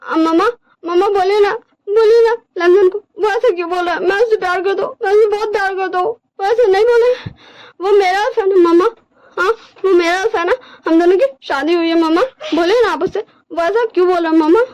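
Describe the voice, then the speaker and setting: A woman's voice: very high-pitched, fairly quick, darkish tone, voice pushed up. A woman voicing a heartbroken young husband who cries and begs his partner not to leave, repeating himself. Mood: tearful pleading. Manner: tearful, begging, repeating himself. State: crying. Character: young man, heartbroken pleading omega husband.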